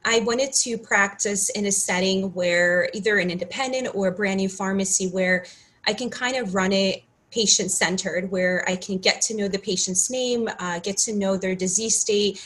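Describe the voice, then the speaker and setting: At a moderate pace and medium pitch, with a fairly bright tone, a Ukrainian woman in her thirties chats as a guest in a casual interview. A pharmacist by trade, she sounds earnest, often restarts and uses lots of "you know"s. The audio quality is poor.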